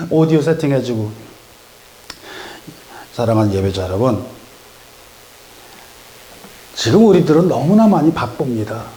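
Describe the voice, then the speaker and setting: A man's voice: mid-range voice, expressive, normal speed, long pauses, dark tone, a little hiss or hum. A middle-aged man preaching a sermon in a church, telling a story and acting out its dialogue in voices. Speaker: pastor. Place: church sanctuary.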